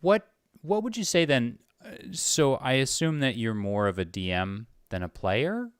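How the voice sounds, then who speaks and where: A man's voice: medium pitch, big pitch swings, unhurried, clear, resonant tone, dry recording, clean studio sound. A man interviewing casually, informal and jokey as he puts his questions and interjections.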